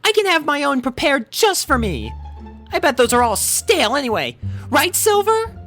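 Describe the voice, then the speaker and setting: A man's voice: very high-pitched, wildly swooping pitch, moderate pace, fairly bright tone, soft background music, voice pushed up, full character voice. A man voicing a haughty, snappish young girl pony in a fan fiction storybook reading. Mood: haughty, indignant. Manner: snooty, snappish. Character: haughty young schoolgirl pony filly, bossy and indignant.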